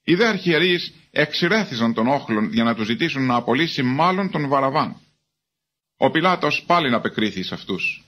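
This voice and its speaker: A man reads scripture aloud at a measured, formal pace, and his voice sits at an ordinary middle pitch for a man. The reading is steady and unhurried, with the even weight of a scripted Bible recording. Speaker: Bible reader.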